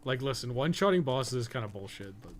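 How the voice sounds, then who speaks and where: A man's voice: medium pitch, expressive, quick pace, a little hiss or hum. A man giving casual, rambling live commentary while playing a video game, with some swearing and self-amusement. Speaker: video game streamer and podcast co-host.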